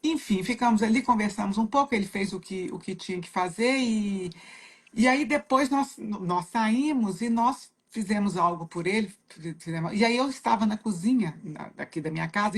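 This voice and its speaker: Uma mulher com sotaque brasileiro conta uma história pessoal de forma sentida, repetindo palavras para dar ênfase. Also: female voice, mid-range voice, normal speed, husky. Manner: heartfelt storytelling, repeats words for emphasis. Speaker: trainer at a coaching company. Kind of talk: casual reflective talk.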